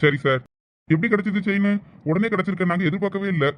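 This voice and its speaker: A man plays a polite middle-aged father in a cartoon, with a Thoothukudi Tamil accent. He speaks very fast in a slightly high voice, deferential and quick to agree. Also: close to an everyday voice. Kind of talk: cartoon voice acting.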